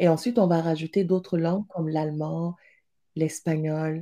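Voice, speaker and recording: A woman's voice, fairly low in pitch, has a dark, mellow tone and fairly even intonation. The recording is very clean, with a silent background. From Senegal, Dakar suburb. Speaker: entrepreneur and mother. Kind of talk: podcast interview.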